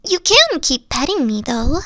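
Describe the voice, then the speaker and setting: Woman voicing a soft-spoken kitsune girlfriend. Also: very high-pitched, no echo, studio quality, exaggerated voice. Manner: soft-spoken, hesitant, explains carefully. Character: gentle three-tailed fox-girl girlfriend, thoughtful. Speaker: voice actor. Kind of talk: ASMR audio roleplay.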